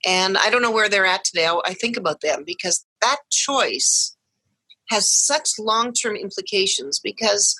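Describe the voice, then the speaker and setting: A woman speaking English as her first language, telling her family's story in a lively way as a guest on a podcast interview. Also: medium pitch, moderate pace, dry recording, poor audio. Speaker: guest, mother of deaf twins.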